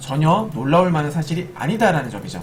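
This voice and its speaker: A man speaks at a moderate pace. Audible room echo and noticeable background noise are present. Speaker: stock market YouTuber, futures trading analyst. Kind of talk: market briefing monologue.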